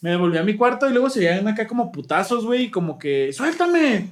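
A man's voice: sits high, lively intonation, quick pace, reverberant, slight background noise. A man with a Mexican accent, co-hosting a podcast and telling a rambling story in slangy casual chat, acting out what people said. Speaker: podcast co-host.

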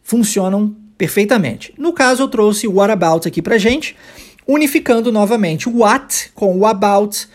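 Husky male English teacher, Portuguese first language, patient, models phrases slowly for students to repeat. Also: high-pitched. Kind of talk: podcast English lesson for Portuguese speakers.

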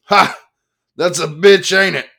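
A man reading a story aloud, voicing a bony, middle-aged drunken biker who booms and yells in a much higher, louder voice. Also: normal speed, creaky. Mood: rowdy. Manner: booming, yelling.

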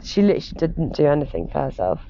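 A man's voice: on the high side, very animated, fast, gravelly, highs cut off, slight background noise. A British man chatting casually as an interview guest, telling anecdotes in a gushing, emphatic way. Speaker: interview guest, former personal assistant to wealthy clients.

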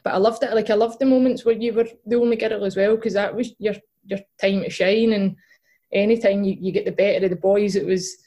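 A woman's voice: mid-range voice, steady tone, fairly quick, warm tone. A young woman with a Glaswegian accent, a guest chatting casually in an interview, with lots of fillers and restarts. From Scotland. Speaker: guest, footballer and podcast co-host.

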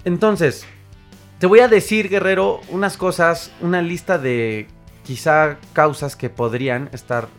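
A man with a Mexican accent, a podcast host and singer, telling stories in a casual, animated monologue full of fillers and restarts. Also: fairly high pitch, measured pace, faint music behind. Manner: animated storyteller, acts out quoted voices, frequent fillers and restarts.

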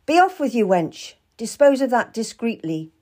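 A woman's voice: on the high side, big pitch swings, normal speed, a little mellow, voice pushed up. A woman voicing a stern, secretive older midwife in a storybook, commanding and solemn in manner. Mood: curt, commanding.

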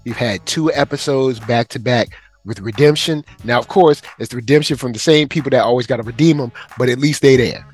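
A man co-hosting a podcast, telling stories in lively slang and laughing often. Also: mid-range voice, fairly quick, dry recording. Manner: animated, laughing, slangy storytelling. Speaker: podcast co-host. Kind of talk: casual chat.

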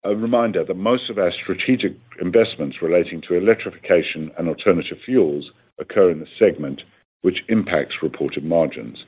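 A man reading a scripted corporate financial presentation in a formal, measured way, as an executive on a conference call. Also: deep voice, breathy edge. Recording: tinny phone-like conference line.

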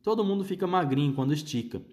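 A man's voice: high voice, expressive, fast, a little mellow, voice pushed up. A man voicing an eccentric, unflappable chocolate-maker in a read-aloud story, rattling things off breezily. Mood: breezy.

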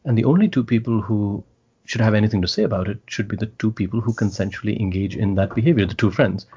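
A middle-aged man with a South Asian accent holds forth in casual, articulate conversation. His voice is lowish and husky, and he slips between English and Hindi-Urdu. The audio is slightly dull. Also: mellow. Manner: articulate, deliberate phrasing, swears freely.

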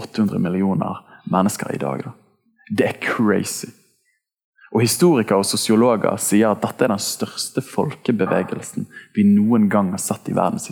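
A man preaching in a lively, casual way, throwing in slang as he addresses his church. His voice sits fairly low and has a gravelly, husky edge. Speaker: pastor. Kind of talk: sermon.

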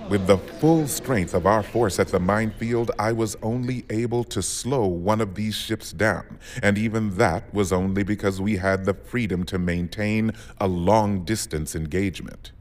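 An actor playing a stern, decisive fleet admiral in a science fiction audio drama, with clipped, formal authority. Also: male voice, on the low side, moderate pace, hardly any pauses, close to an everyday voice. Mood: grave, resolute. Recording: long echo of a large hall.

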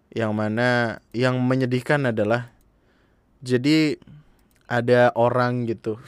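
A man's voice: mid-range voice, clean tone, no echo. A young man, earnestly commenting in a casual monologue, speaking straight to his listeners. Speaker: podcast host.

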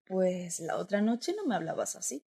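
A woman playing a sharp-tongued female newspaper reporter with an ironic, teasing manner in a radio drama. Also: medium pitch, very animated, normal speed, breathy edge. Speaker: journalist.

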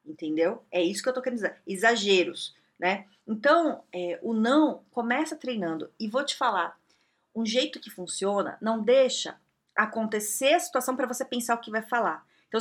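A woman's voice: a little high, fairly bright tone. A woman giving casual, chatty advice and acting out little dialogues. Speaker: advice giver.

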